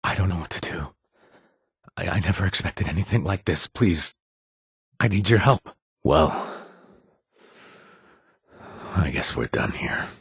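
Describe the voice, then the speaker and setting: An actor playing a gruff but awkward, loyal wasteland bartender in a video game, with a husky voice and a halting, casual delivery. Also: male voice, low voice, no echo, clean studio sound, exaggerated voice. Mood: shaken, weary. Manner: halting, stammering, casual and self-deprecating. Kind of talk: naturalistic video game dialogue.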